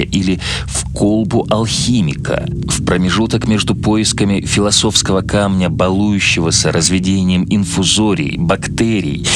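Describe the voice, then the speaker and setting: A man reading literary prose as a narrator, solemn and measured, in short weighted phrases. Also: low-pitched. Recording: clearly noisy recording.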